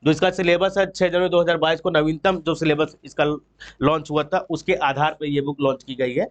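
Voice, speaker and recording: A man's voice: a little high, flat delivery, fairly quick. A man presenting an exam-prep book walkthrough in an informal, explanatory way, mixing in English terms. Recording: dull, lo-fi sound.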